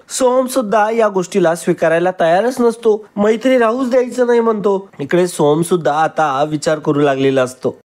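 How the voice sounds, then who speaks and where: Brisk narrator recapping a TV serial. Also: medium pitch, a little mellow. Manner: brisk storytelling.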